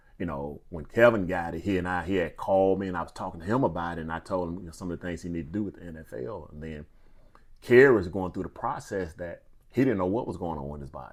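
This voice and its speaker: A man with a Southern US accent speaks very fast at a very deep, low pitch, with ordinary pitch variation. His loudness swings widely, and the recording is very clean with a silent background. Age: 60s. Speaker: football coach, former NFL player. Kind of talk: casual podcast interview.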